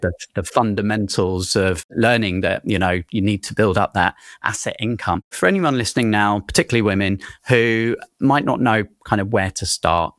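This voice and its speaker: Low-voiced male host, dry sound. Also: no echo. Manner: steady, guiding questions. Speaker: podcast host. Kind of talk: conversational interview.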